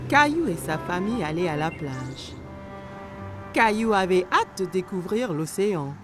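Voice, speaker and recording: A woman giving scripted storybook narration for a children's cartoon, expressive and aimed at young listeners. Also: on the low side, measured pace, music in the background.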